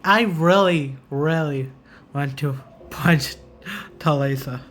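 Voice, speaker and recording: A gamer hosting a channel, giving casual reaction commentary in a halting way with repeated phrases. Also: mid-range voice, slight background noise.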